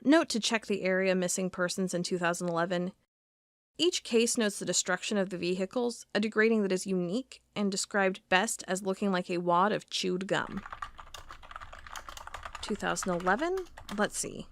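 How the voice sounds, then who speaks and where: A woman's voice: medium pitch, moderate pace, slight background noise, close to an everyday voice. A woman playing a methodical federal agent. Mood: dry, reading. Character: female federal agent, methodical, increasingly uneasy. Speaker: investigator reviewing case files. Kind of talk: audio drama monologue.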